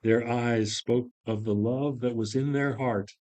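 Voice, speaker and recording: Mid-pitched man narrating a mythic play. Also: steady tone, measured pace, a little mellow. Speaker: narrator and reader. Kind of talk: dramatic storytelling.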